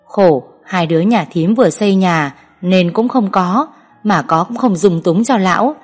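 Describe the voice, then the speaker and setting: A woman's voice: lowish voice, a little slow, slightly rough, soft background music. A woman reading a story aloud, voicing an indignant middle-aged village aunt who scolds and comforts in exclamations. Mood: indignant, soothing.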